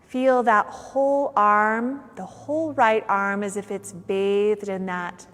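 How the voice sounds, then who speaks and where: Female yoga instructor for guided relaxation, slow-paced with long pauses, heard in a long, hall-like reverb. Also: medium pitch, steady tone, fairly bright tone. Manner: unhurried phrasing with long pauses. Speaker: yoga teacher. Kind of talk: guided meditation.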